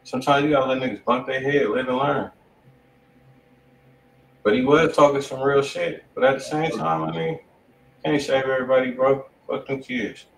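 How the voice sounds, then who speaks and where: A man's voice: mid-range voice, steady tone, normal speed, gravelly, pauses often, a bit bright. A man with an American accent co-hosting a show in blunt, profane, slangy casual chat. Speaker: music review show co-host. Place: indoor room with desk and studio monitors. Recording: roomy, distant mic, background noise.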